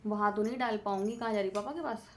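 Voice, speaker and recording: A woman's voice: medium pitch, quick pace, slight background noise. A woman in her thirties talking casually in a family vlog, chatty and rambling with many fillers. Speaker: vlogger.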